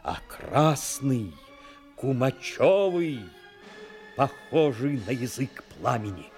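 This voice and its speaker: A man giving dramatic scripted narration for an audio play, measured and literary. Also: mid-range voice, big pitch swings, a little mellow. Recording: music behind the voice.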